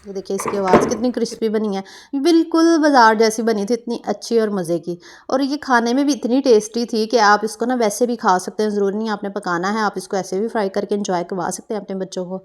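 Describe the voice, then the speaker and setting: A young Pakistani cooking vlogger narrates her cooking in a mid-range voice, talking fairly quickly with few pauses. Her casual narration rambles and meanders, full of fillers and self-corrections.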